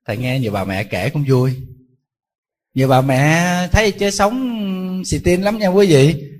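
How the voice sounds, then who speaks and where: Male Buddhist monk, husky voice, animated storytelling sermon, quizzes listeners. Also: fairly high pitch. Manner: lively storyteller who teases and quizzes his audience. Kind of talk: dharma talk sermon.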